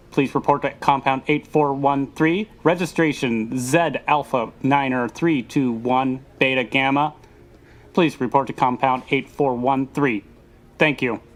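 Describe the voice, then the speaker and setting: A man's voice: a little high, lightly acted. A man voicing an impersonal, courteous space station announcer in a tabletop roleplay, making formal public announcements. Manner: formal, repetitive announcement delivery.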